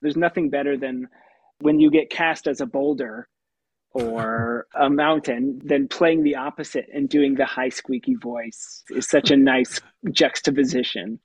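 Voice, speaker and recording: A puppeteer and voice actor talking through his craft in an interview, with a light, youthful tenor voice and an animated manner that breaks into laughs. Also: medium pitch, unhurried, vocal fry, husky, dry recording, poor audio. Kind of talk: conversational interview answers.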